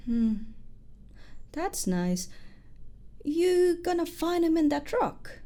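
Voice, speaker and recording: A woman's voice: very high voice, very animated, slow, warm tone, pitched above the performer's own voice, heavily acted. A woman voicing a chipper, friendly little robot companion in casual, playful game banter.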